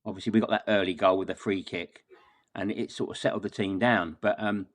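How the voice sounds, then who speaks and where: A man's voice: low-pitched, steady tone, fairly quick. A man talking casually through a football match as a podcast guest, wordy and exasperated, often repeating words as he goes.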